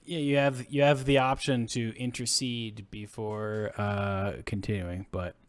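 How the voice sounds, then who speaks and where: A man narrating as game master, calmly explaining what each enemy does. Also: on the low side, measured pace. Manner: steady, explanatory play-by-play of enemy moves.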